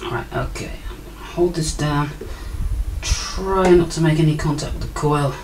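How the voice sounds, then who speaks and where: A woman's voice: sits low, a little slow, a little mellow, a little hiss or hum, poor audio. Wry woman tinkering at a workbench. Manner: chatty, wry, apologetic asides. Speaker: hobbyist radio tinkerer. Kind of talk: casual demo commentary. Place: indoor workbench. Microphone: desk microphone near an amplifier.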